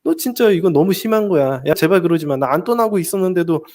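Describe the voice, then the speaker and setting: A weary partner, fed up after a year of reassuring someone, as a man acts him out. The voice sits a little lower than the speaker's narration but still lifts and falls in a lively way. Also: fast talker. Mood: exasperated. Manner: reassuring at first, then exasperated. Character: worn-out partner losing patience.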